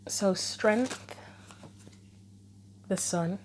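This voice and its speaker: Extremely slowly, in a mid-range voice with slight background noise, a woman gives an informal tarot reading on her own channel. She thinks aloud through the possibilities, and her throat is a little troubled, her voice starting to go.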